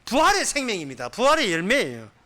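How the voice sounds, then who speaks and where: A man's voice: sits high, huge pitch swings, fast talker, bright, forceful tone. A male pastor with a Gyeongsang accent preaching a sermon in a colloquial way, full of rhetorical questions. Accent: Gyeongsang Korean.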